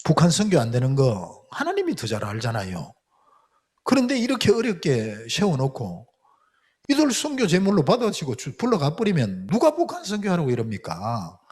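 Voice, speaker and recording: A man's voice: on the high side, huge pitch swings, normal speed, a little mellow, husky. A middle-aged man, a missionary, giving a testimony lecture, telling his story with feeling and acting out prayers and quotes. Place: lecture hall.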